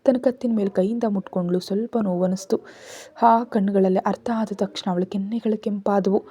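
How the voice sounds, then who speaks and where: A woman's voice: medium pitch, fairly even intonation, fairly quick, dark tone, husky. A woman reading a romantic family story aloud as a storyteller, voicing the characters' lines in her own narrating voice.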